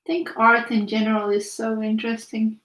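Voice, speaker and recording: Young woman, Finnish accent, high-ish voice, relaxed live-stream chatter, roomy echo. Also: a little fast. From Finland. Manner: chatty, reads viewer comments aloud. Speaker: art teacher streaming live. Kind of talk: casual chat while painting.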